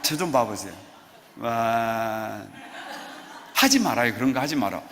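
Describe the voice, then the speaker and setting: Animated male pastor in a reverberant church. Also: mid-range voice, fast, noisy background. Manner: animated, playful, coaxing the congregation to respond. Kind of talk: sermon. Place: church sanctuary. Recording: long church hall reverb.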